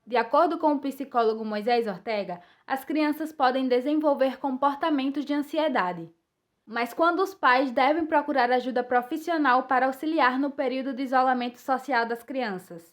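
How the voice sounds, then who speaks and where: A Brazilian woman presenting a podcast, reading scripted narration in a measured, formal way. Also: high voice.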